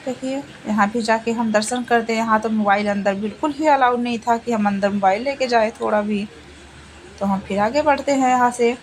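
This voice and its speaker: Chatty woman with a high-pitched voice. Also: slight background noise, rough recording. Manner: chatty, repeats phrases, rambling storytelling. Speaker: vlogger narrating a family trip. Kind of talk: casual travel vlog voice-over.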